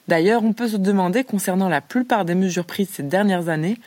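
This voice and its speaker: A woman hosting a radio show, presenting the program and her guest in a clear, measured way. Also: medium pitch, a little mellow, dry recording.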